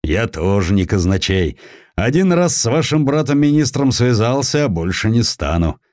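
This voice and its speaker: A man's voice: mid-range voice, sing-song, moderate pace, a little mellow, no room sound, clean studio sound, lightly acted. A man voicing a bold, blunt Cossack chieftain in an audiobook, with a brusque, offhand way of talking. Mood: defiant. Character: bold, blunt Cossack ataman, freewheeling adventurer.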